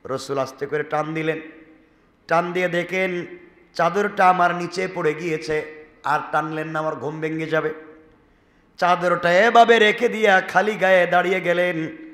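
High, bright-voiced man preaching. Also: fairly even intonation, normal speed, long pauses. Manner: emotional, swings from hushed to loud calls; asks the congregation questions. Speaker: Islamic preacher. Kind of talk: Friday sermon storytelling. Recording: echoey hall.

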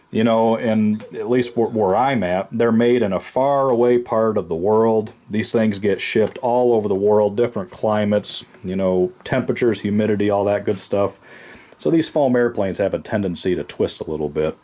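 A middle-aged man giving a casual, rambling hands-on review of a model airplane in his home workshop, talking through a camera mic with lots of fillers. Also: fairly low pitch. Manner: relaxed, rambling, many fillers.

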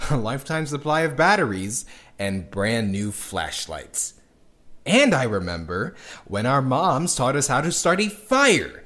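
A man playing a weary, wry young underground dweller in an audio drama, speaking in an intimate, reflective and halting conversational monologue. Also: mid-range voice, fairly bright tone. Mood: wry, agitated. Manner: reflective, halting, with sardonic little laughs and sighs.

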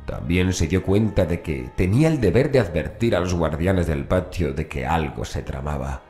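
A man's voice: low-pitched, expressive, normal speed, dark tone. A man narrating a scripted horror story as an audiobook narrator, with music behind him. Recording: voice over background music.

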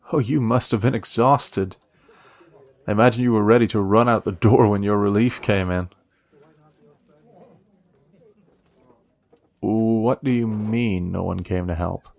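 A friendly young man played by an actor in a romance audio drama, talking playfully and warmly to the listener. His pitch is lively, with creaky edges, recorded close and dry. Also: no room sound, heavily acted. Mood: amazed, concerned. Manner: teasing, warm, conversational. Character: friendly, playful, eager young male cafe helper.

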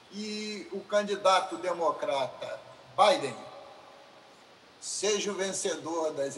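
A man with a Brazilian Portuguese accent giving a formal, deliberate speech in a legislative chamber, addressing a colleague formally. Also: sits high, a bit bright. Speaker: state deputy. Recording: roomy chamber sound with faint hiss.

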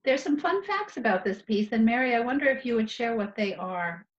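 A woman's voice: a little high, big pitch swings, brisk. A middle-aged woman curator giving educational art commentary and putting questions to viewers from a room at home over a video call. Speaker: museum curator. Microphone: computer mic on a video call. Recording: dull, lo-fi video call audio.

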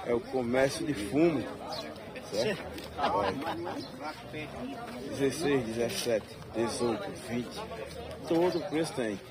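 A man's voice: mid-range voice, expressive, slow, long pauses. A man, hosting a casual vlog while walking a street market, chatty and drawn out as he quotes prices. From Northeast Brazil. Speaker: channel host filming a market. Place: busy outdoor street market. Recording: outdoor street market crowd noise. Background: crowd chatter and traffic.

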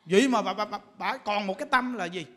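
A male Buddhist monk delivers a sermon full of jokes and stories, often laughing mid-sentence. His voice sits very high and rings bright and forceful. It carries a long reverb from a temple hall. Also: fast talker. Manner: humorous storytelling, laughs while talking. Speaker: Buddhist monk giving a Dharma talk.

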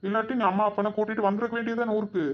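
A man's voice: high voice, little pitch movement, rapid-fire, noisy background, natural voice. A man voicing a doting, protective village brother in a cartoon, soothing and fussing with repeated endearments. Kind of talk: cartoon voice acting. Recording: dull lo-fi audio.

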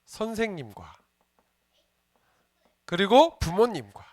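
A man's voice: high voice, very animated, takes it slowly, dry recording, clean studio sound. A man, a junior pastor, giving a playful children's sermon and asking the kids questions as he goes. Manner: playful, asks the children questions and jokes with them.

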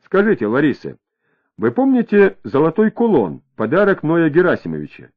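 A calm, probing young detective, read by a male narrator, who asks his questions in a measured, slightly ironic tone. His pitch moves in lively curves. The audio is narrow and tinny, as if heard down a phone. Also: full character voice.

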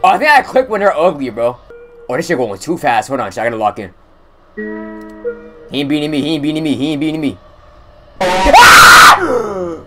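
A young man casually commentating on a game stream, using slang and talking excitedly to his chat. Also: a little high, normal speed, long pauses, shouting, faint music behind. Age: young adult. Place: indoor room at streaming setup.

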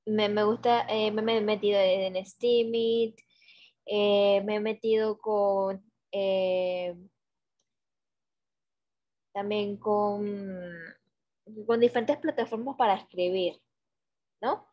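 A young graphic designer, appearing as a guest, talks casually on a video call from a small room at home, hesitating often with many fillers and restarts. Her mid-range voice is steady and slow with long pauses, picked up by a headset and heard through dull, lo-fi call audio.

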